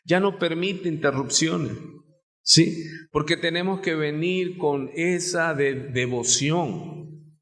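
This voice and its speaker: A man's voice: fairly high pitch, takes it slowly, fairly bright tone. A male pastor with a Mexican Spanish accent preaching a sermon in a church sanctuary, often asking the congregation rhetorical questions. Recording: long church reverb.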